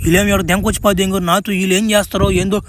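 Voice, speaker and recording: A brash, foul-mouthed young superhero from a comedy cartoon, voiced by a man in a strained, very high voice. He speaks with a rural Andhra Telugu accent and swears and laughs loudly through his lines. A faint hiss sits under the recording. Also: level tone, very fast, natural voice. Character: cocky crude young male superhero lost on another planet.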